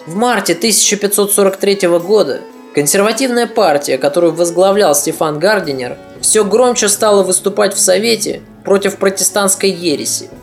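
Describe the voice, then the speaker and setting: Steady scripted history narrator. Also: medium pitch, normal speed, gravelly, hardly any pauses, faint music behind. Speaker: podcast narrator.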